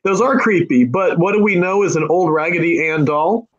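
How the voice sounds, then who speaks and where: A man's voice: high-pitched, moderate pace, muffled recording. A man talking casually in a panel discussion, explaining things conversationally as an author would about their own story.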